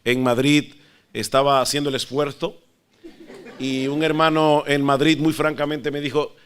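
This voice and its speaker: A middle-aged man from the Dominican Republic with a Dominican Spanish accent, preaching a sermon in an earnest, measured way and praying softly. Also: a little high, flat delivery, a little hiss or hum. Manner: earnest, measured preaching with soft, hushed prayer. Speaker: pastor.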